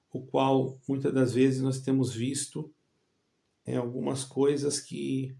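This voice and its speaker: A middle-aged man who grew up between Brazil and Portugal, hosting his own evangelical channel and speaking directly to fellow believers in a halting way, with many pauses and restarts. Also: medium pitch, vocal fry, dark tone.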